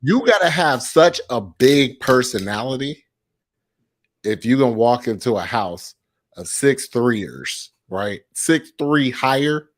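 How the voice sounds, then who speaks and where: A young man speaking AAVE, co-hosting a podcast in casual chat, animated and acting out little scenes. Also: medium pitch, slow. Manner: animated, acts out scenes with put-on voices and laughter. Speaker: podcast co-host.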